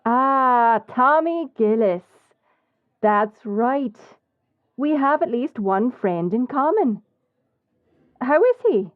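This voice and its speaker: A woman with an Irish accent playing a bold, sly smuggler captain in an audio drama, composed and cheeky in a measured way. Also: fairly high pitch, expressive, no room sound, phone-quality sound. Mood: polite, charming. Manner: measured, deliberate. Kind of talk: audio roleplay acting with story narration.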